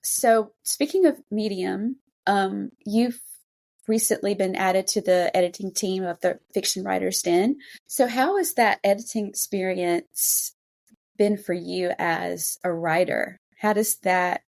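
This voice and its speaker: Podcast host, woman, mid-pitched voice, casual and encouraging interviewer. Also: a little slow, creaky, darkish tone.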